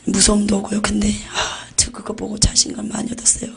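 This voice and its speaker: A woman's voice: mid-range voice, completely flat delivery, a little fast, vocal fry. A woman giving an intense religious testimony about visions, often dropping to a near-whisper. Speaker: testimony giver.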